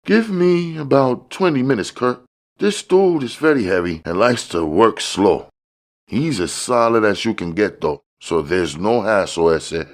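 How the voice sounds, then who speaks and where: Man voicing a smug, high-pitched slick drug dealer. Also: expressive, a little slow. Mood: smug, persuasive. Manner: slangy, boastful street talk.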